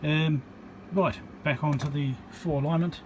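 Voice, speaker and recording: An electronics repair presenter talking casually as he works at his home workbench, thinking aloud with frequent ums and pauses. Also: fairly high pitch, steady tone, slight background noise. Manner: thinks aloud with many ums, counts into the mic.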